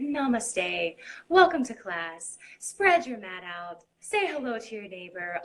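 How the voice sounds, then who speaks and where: The speaker uses a put-on character voice that is breathy, swings very widely in pitch, and moves at a fairly slow pace. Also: woman, fairly high pitch for a woman. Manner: lovely, soft.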